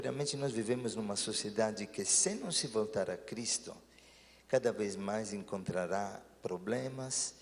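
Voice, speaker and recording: A priest telling stories and reflecting earnestly in a talk show conversation. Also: male voice, fairly low pitch, gravelly, long reverb tail.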